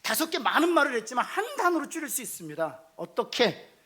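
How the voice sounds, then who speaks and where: Lively preaching male pastor. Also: very high voice, quick pace, breathy edge. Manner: engages the congregation with questions and calls to respond. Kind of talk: sermon.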